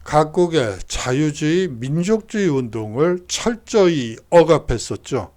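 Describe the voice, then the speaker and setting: A man's voice: on the high side, a little mellow. A man giving a recorded university history lecture, explaining steadily with frequent hesitation fillers.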